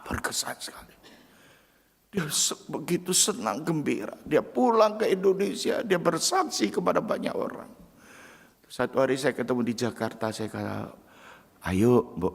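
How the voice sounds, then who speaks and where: An older man, a pastor, preaching a sermon and telling stories. He moves from loud, emphatic preaching to hushed, quiet storytelling. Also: medium pitch, creaky, slightly rough, long reverb tail. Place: church sanctuary.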